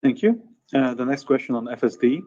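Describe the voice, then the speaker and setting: A man's voice: mid-range voice, lively intonation, brisk, dark tone. A man acting as moderator, reading out investor questions on a conference call with muffled, band-limited sound.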